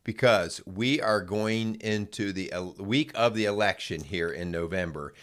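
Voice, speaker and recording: A man's voice: fairly low pitch, unhurried, fairly bright tone. A middle-aged man co-hosting a casual radio chat show in an upbeat, teasing manner.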